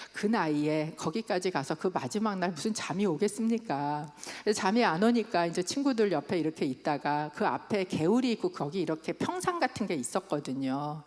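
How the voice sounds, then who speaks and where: A woman's voice: lowish voice, darkish tone. A woman in her fifties, a pastor telling stories in a sermon and raising her voice when she quotes others. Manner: storytelling, quoting with raised voice. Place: church sanctuary. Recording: long hall reverb.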